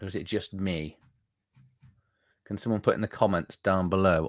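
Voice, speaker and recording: A man's very deep, low voice in an English accent, fairly quick yet broken by long, frequent pauses, fairly even in intonation, with a dry, close sound with no echo on a very clean recording with a silent background. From England. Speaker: podcast host. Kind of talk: live interview.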